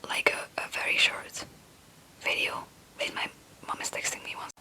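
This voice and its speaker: A young woman from Belgium, a non-native English speaker, whispering a casual, hesitant and meandering ASMR chat in a breathy voice. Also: moderate pace, pushed and bright. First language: not English. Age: young adult. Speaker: ASMR video creator.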